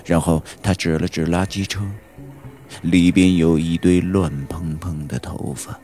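A man narrating a horror audiobook in a slow, suspenseful storytelling manner. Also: low-pitched, fairly even intonation, warm tone. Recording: audiobook with background music.

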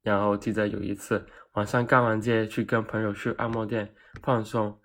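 A man from Hong Kong speaking Cantonese-accented Mandarin, telling comedic personal stories in an animated, self-mocking way and acting out the dialogue. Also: fairly low pitch, normal speed. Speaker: vlogger.

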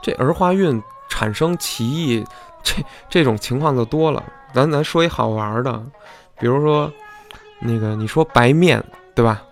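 A man with a medium-pitched voice hosts a podcast at a moderate pace over soft background music. His casual explanatory monologue is chatty and folksy, and he often asks his listeners "right?"

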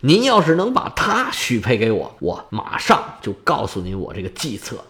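A man storyteller voicing a shrewd young male schemer who flatters and hedges as he bargains. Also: mid-range voice, moderate pace, voice pushed down. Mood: sly.

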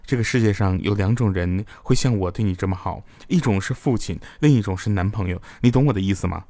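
A man voicing a smooth-talking young man who quietly coaxes a female coworker. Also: fairly low pitch, quick pace, no echo, pitched below the performer's own voice, close to an everyday voice. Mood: coaxing. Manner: soft, coaxing.

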